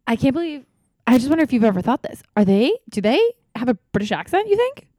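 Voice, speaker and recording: A young woman from the Philadelphia area co-hosting a podcast, chatting quickly and reacting with animated disbelief. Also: on the high side, dry recording, studio quality. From Philadelphia area, USA. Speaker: podcast co-host. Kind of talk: casual chat.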